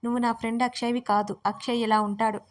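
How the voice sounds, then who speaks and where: A young married woman answers firmly and sharply, as a woman narrator voices her. Her voice sits a little high and stays level, read like a storybook scene. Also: level tone, fast, close to an everyday voice. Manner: firm, sharp questions. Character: young married woman, guarded then angry.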